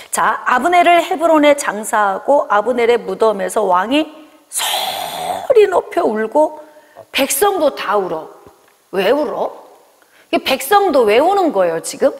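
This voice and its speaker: Woman pastor teaching in a reverberant hall. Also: on the high side. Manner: animated, acts out God's scolding voice in quotes. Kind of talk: Bible study lecture.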